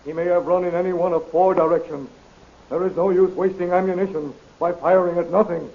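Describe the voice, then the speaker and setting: High, creaky-voiced guard captain. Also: male voice, steady tone, brisk. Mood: deferential. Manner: deferential, declamatory. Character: dutiful, flustered captain of a queen's guard. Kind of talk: 1930s radio serial acting. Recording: tinny, narrow 1930s radio recording.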